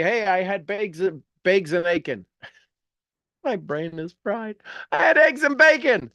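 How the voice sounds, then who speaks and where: A high-voiced man, recorded at studio quality with no room sound, reads aloud from a self-help book and comments on it in an informal live lesson. He is emphatic and rambling, interrupting himself with asides and repeating phrases for effect.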